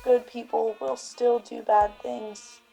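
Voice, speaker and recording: A world-weary radio drama detective, a man played by a woman, speaking slowly with a gravelly creak over music. The delivery is deliberate, earnest and reflective. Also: a little high, little pitch movement, dark tone, full character voice, poor audio.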